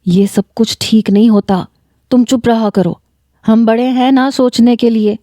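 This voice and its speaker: A woman voicing a protective middle-aged aunt in a storybook reading, firm and measured. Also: a little high, fairly even intonation, dark tone, dry recording, studio quality, close to an everyday voice.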